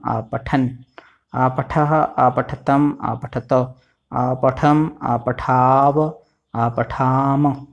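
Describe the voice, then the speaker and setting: Patient male Sanskrit teacher. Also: medium pitch. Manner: patient, repeats forms slowly and checks understanding. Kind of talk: online grammar lesson.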